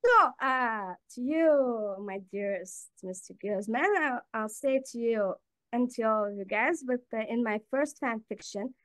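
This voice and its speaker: A high-pitched woman in her twenties from Bulgaria, speaking English as a second language after native Bulgarian. Her voice is bright and sharp, and she talks in a halting way with frequent fillers and restarts. The recording is dry and close. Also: expressive, no room sound. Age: 20s. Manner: halting, many fillers, laughs. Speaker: panel guest. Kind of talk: casual chat.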